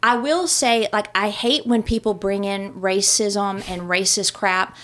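A woman's voice: medium pitch, steady tone, measured pace, a bit bright. A woman hosting a podcast, chatting in a rambling, casual way about a true crime case. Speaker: podcast host.

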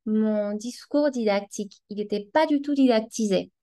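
A woman's voice: medium pitch, normal speed, dark tone. A woman whose first language is Spanish, a language teacher talking as a guest in a casual discussion, thoughtful and hesitant, searching for words. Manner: hesitant, many fillers and restarts, thoughtful.

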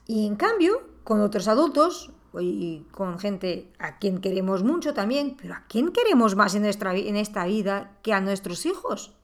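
A woman's voice: mid-range voice, animated, moderate pace, few pauses. A woman talking through a reflective monologue on parenting, asking the listener rhetorical questions. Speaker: parenting podcast host.

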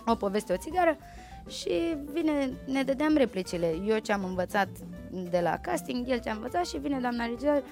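Lively woman telling a story. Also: a little high, faint music behind. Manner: lively anecdotal, acts out quotes. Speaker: guest. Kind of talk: casual storytelling on a podcast.

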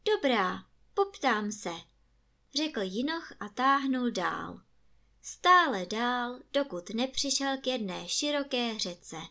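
A woman storyteller with a fairly high voice reads a fairy tale aloud. She narrates calmly and at a measured pace.

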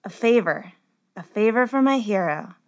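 A woman's voice: mid-range voice, animated, normal speed, highs cut off, close to an everyday voice. A woman voicing an anxious, caring young female cleric in a storybook, earnest and urgent. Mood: bashful.

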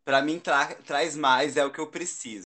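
A man's voice: fairly high pitch, steady tone, moderate pace, pushed and bright. A man with a Brazilian Portuguese accent in casual chat, gushing and emphatic about what he loves. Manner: gushing, emphatic fan talk.

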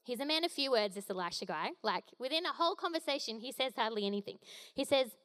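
A young woman preaches in a relaxed, chatty way, full of playful asides and quick jokes. Her voice sits a little high for a woman. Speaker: guest preacher. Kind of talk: casual sermon.

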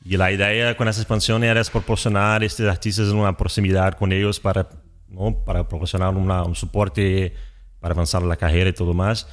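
A man with a low-pitched voice answers in a conversational interview. He is a native Portuguese speaker from Brazil, and his Brazilian accent comes through as he blends Portuguese into his Spanish. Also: level tone, fairly quick. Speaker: interview guest, music distribution executive.

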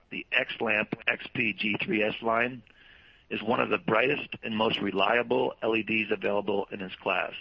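A man presenting as a company executive, reading prepared earnings call remarks in a formal, measured way. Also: fairly low pitch, creaky, slightly rough, no room sound, dull audio. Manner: formal, measured read-out delivery.

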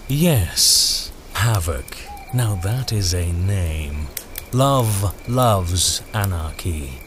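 An actor playing a sinister, poetic gentleman stranger in a dark audio drama, speaking with formal, measured menace. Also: low voice, expressive, a little hiss or hum, exaggerated voice. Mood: ominous charm. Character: sinister, courtly, poetic stranger in fine clothes.

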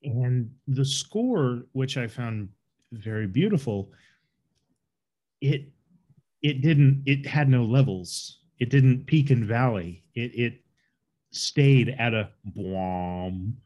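A man's voice: medium pitch, lively intonation, takes it slowly, a little mellow. A man co-hosting a podcast, giving loose, opinionated takes on a film. He rambles, often restarts his sentences, and circles back to make his point. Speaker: podcast co-host. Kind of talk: casual movie review chat.

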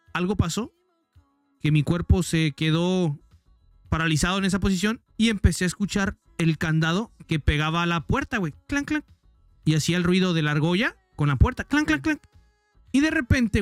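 A man telling a scary story in casual chat, animated and mimicking sounds. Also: fairly high pitch, dry recording. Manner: animated, mimics sounds, says "güey" constantly. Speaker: podcast co-host.

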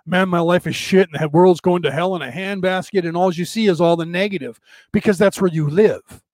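A middle-aged man with a rough, odd-sounding voice, hosting a rambling, casual spiritual talk for a live audience. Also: high-pitched, fairly quick, a little mellow, no echo, studio quality. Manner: rambling, many restarts and fillers. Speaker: livestream host.

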